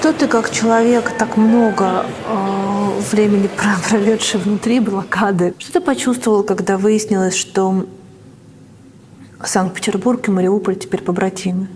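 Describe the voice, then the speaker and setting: A woman's voice: mid-range voice, fairly even intonation, moderate pace, long reverb tail, noisy background. A woman interview host asking pointed, probing questions.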